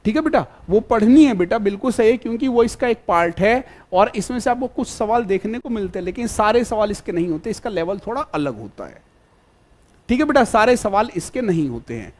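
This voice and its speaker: Running a live online exam-prep session, this man speaks in a high, expressive, brisk voice that's a little mellow. His manner is fatherly: he repeats himself, calls students "beta," and keeps asking if they follow.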